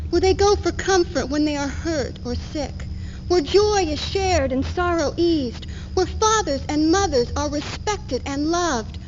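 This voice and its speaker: A woman performing a devoted, submissive housewife in an earnest, declamatory readers theater recitation. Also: sits high. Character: devoted, submissive housewife, proud and pious about home. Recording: dull, noisy 1970s archival stage recording.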